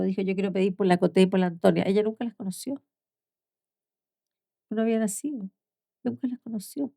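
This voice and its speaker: Older woman, heartfelt storyteller, gravelly. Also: mid-range voice. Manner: heartfelt, storytelling, voice often drops soft. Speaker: guest. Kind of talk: conversational interview.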